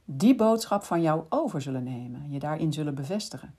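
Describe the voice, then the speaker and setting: A woman hosting a podcast, calmly explaining in scripted narration and speaking directly to the listener. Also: low-pitched, a little fast, husky. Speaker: podcast host.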